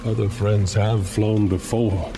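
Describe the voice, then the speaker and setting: A man giving a dramatic reading of gothic verse, theatrical and deliberate, with heavy pauses. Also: lowish voice, fairly even intonation, noisy background. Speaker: podcast host reading a poem aloud. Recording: music playing under the voice. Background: music.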